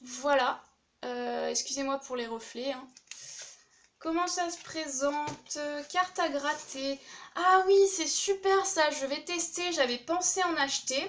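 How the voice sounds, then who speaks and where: A woman's voice: high-pitched, unhurried, a bit bright, slight background noise. A young woman chatting casually and enthusiastically as she unboxes craft supplies, with many fillers. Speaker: craft YouTuber opening a swap package.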